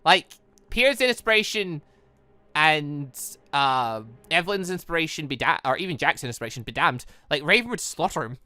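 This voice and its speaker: Gaming host, casual playthrough commentary, very lively pitch, excitable and rambling, close dry sound. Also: moderate pace, clear, resonant tone, dry recording. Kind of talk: casual game playthrough commentary, reading dialogue aloud.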